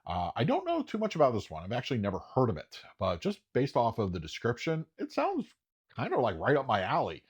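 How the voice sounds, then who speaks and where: A man casually talking through upcoming disc releases in a chatty, enthusiastic way, often pausing with "uh". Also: medium pitch, huge pitch swings, husky, highs cut off. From United States. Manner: chatty, enthusiastic, frequent uh fillers. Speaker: home video reviewer. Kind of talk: casual solo commentary.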